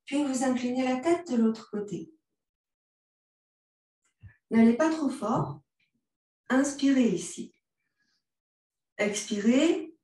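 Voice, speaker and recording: Woman, French accent, yoga teacher, slow unhurried cues, mellow tone, very echoey room, distant from the mic. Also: a little high. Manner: calm, gentle cues, mixes vous and tu. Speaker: yoga instructor. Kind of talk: guided yoga class instruction.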